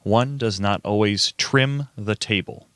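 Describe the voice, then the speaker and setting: Amateur male narrator for a radio play reading: bright voice, mid pitch, dry close recording. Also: slow, dry recording. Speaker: narrator and reader of all parts.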